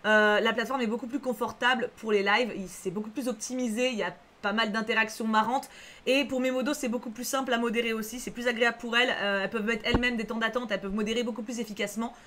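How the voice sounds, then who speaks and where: A woman's voice: fairly high pitch, fairly even intonation, fast talker, a bit bright, a little hiss or hum. A woman streaming live, chatting casually with viewers, reassuring and repeating herself with lots of fillers. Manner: chatty, reads chat aloud, frequent fillers.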